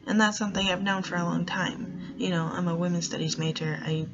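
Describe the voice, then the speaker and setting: A man's voice: high-pitched, steady tone, a little fast, dull audio. A young trans man with a typically feminine-sounding voice, speaking reflectively and hesitantly about himself in a documentary monologue. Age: young adult. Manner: reflective, hesitant, searching for words. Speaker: college student and grocery worker.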